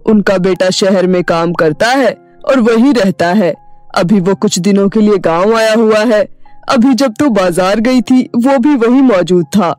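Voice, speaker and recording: A woman voicing a kindly elderly father in a village, telling his daughter good news in an animated story. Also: medium pitch, measured pace, dry recording, soft background music, lightly acted. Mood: joyful. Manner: warm, fatherly and excited. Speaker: voice-over artist.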